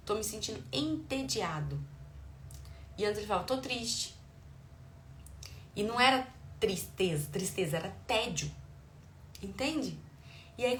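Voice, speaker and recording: A middle-aged woman with a Brazilian Portuguese accent, a parenting educator giving advice to parents in an explanatory tone. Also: medium pitch. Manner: warm explanatory tone, acts out dialogue with her children. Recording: echoey room with faint ambient noise.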